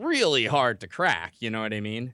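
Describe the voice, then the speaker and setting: The speaker is a man. He talks at a moderate pace. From New Jersey, US. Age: 30s. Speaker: gaming video creator. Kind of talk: casual chat.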